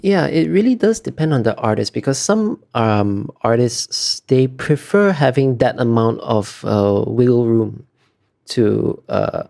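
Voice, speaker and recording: A man's voice: medium pitch, expressive, unhurried, gravelly, a little mellow. A man being interviewed as an artist, talking casually and thoughtfully, feeling his way through explanations in trailing clauses.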